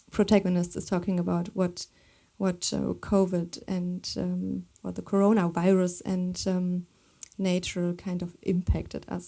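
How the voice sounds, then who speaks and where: Flat, warm-voiced woman moderator. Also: mid-range voice. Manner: halting, hesitant phrasing. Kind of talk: live panel conversation.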